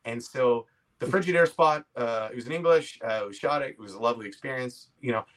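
A Canadian man in his forties chats as a guest, with a voice of ordinary middle pitch. He tells his stories casually and loosely, poking fun at himself as he goes. It has the easy flow of a conversational interview. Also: fairly quick, a bit bright, low-quality recording. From Quebec, Canada. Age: 40s. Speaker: podcast guest, comedy actor and writer.

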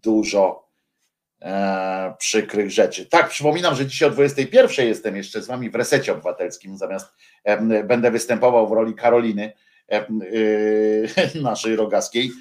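A man hosting a radio show, talking in a halting, reflective way with many filler sounds between songs. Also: lowish voice, darkish tone. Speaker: radio host.

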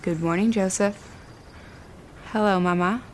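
Friendly farm daughter played by a woman, medium pitch. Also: fairly even intonation, measured pace, slight background noise, close to an everyday voice. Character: friendly grown daughter of a farming family. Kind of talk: naturalistic audio drama acting.

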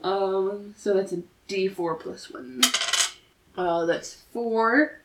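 A woman's voice: mid-range voice, very slow, roomy sound, far from the mic, very noisy. A woman playing a tabletop game, chatting casually and jokingly with some swearing.

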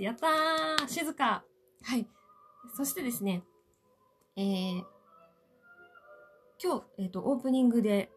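A woman hosting a solo podcast, chatting politely and playfully to her listeners from a quiet hotel room. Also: mid-range voice. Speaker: podcast host, actress. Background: faint classical Ave Maria music.

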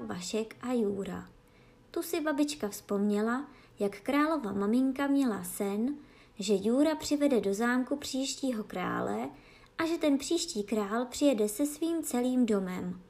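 A woman reading a fairy tale aloud as a bedtime story, gentle and expressive. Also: on the high side.

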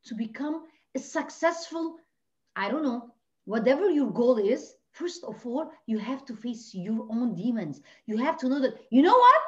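A middle-aged woman from Lebanon, English not her first language, telling her personal story as an interview guest in an impassioned, emphatic way. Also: sits high. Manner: impassioned, emphatic, swings between loud and hushed. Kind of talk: emotional personal testimony. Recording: dull lo-fi audio.

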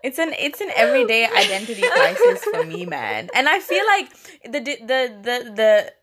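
A woman's voice: on the high side, sing-song, normal speed, crowd noise. A young woman from Malaysia with a Malaysian accent, chatting casually and swearing now and then, with many fillers. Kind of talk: casual chat.

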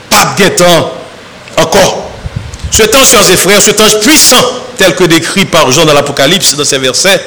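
A man preaching a sermon with a French Caribbean Creole accent, reading scripture aloud slowly and emphatically, then explaining it in Creole. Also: high-pitched, sharp tone, low-quality recording.

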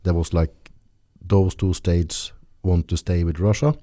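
A man's voice: low-pitched, steady tone, measured pace, mellow, no echo, clean studio sound. A man interviewing, making short questioning asides and prompts from off-mic. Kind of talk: brief interview prompts and backchannels.

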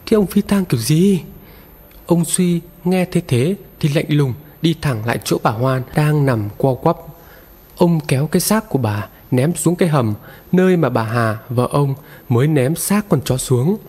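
Husky male horror narrator with reverb. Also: a little high, lively intonation, a little mellow. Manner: grave, measured storytelling. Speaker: storyteller. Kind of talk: dramatic horror story narration. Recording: long reverb.

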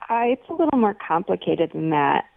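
A woman's voice: fairly low pitch, big pitch swings, brisk, gravelly, no room sound. Woman on a tinny phone line. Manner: guarded, laughs while talking. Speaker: caller. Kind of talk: phone conversation on radio.

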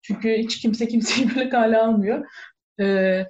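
A woman's voice: fairly high pitch, normal speed, a little mellow, lo-fi sound. A woman chatting casually and slipping in words and phrases. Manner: mixes in German words and phrases. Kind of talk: casual chat.

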